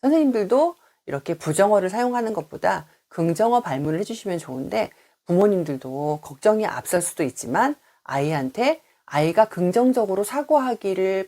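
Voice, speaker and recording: A woman's voice: medium pitch, dark tone. A woman childcare educator giving a talk to parents and teachers, acting out sample questions to children along the way.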